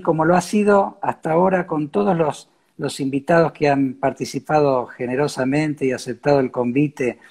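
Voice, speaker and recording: A man in his fifties with a Cordoba Argentine Spanish accent, hosting a conversational interview in a halting manner on a video call. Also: fairly high pitch, a little mellow. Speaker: interview host.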